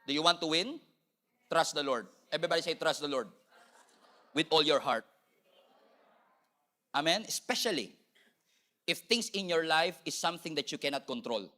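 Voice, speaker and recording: A man with a Filipino accent preaching an animated sermon as pastor, mixing in English and calling for amens. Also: on the high side, moderate pace, pauses often.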